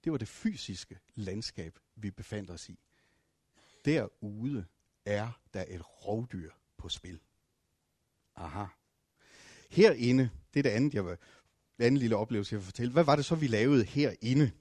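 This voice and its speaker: A preacher tells his stories in a husky, breathy voice. He swings from loud bursts to near whispers, with fillers and restarts. The room sounds dry and close. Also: on the low side, lively intonation, long pauses, no room sound. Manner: dramatic swings from loud to hushed. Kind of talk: sermon with travel stories.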